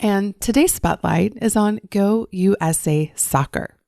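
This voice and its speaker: A woman hosting her own life coaching podcast, speaking in a warm, effusive and encouraging way. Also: mid-range voice, measured pace, creaky, dry recording, clean studio sound. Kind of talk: podcast monologue. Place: recorded while traveling abroad.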